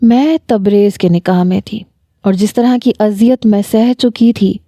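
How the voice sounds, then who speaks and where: A woman narrates a romance story in the first person with soft, emotional delivery. Her voice is mellow and warm. The recording is dry and close. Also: mid-range voice, no room sound.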